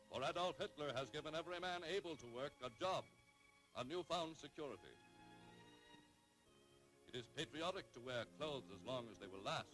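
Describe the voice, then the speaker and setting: A man narrating an old 1930s newsreel in a dramatic, emphatic announcer's delivery with measured pauses. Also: mid-range voice, fairly bright tone.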